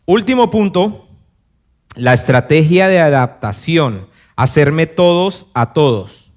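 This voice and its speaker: A man's voice: animated, slow pace. A man pastor preaching a sermon in a conversational way, asking the congregation rhetorical questions and briefly acting out other voices. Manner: acts out other voices with dramatic pitch swings. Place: church service. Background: soft piano.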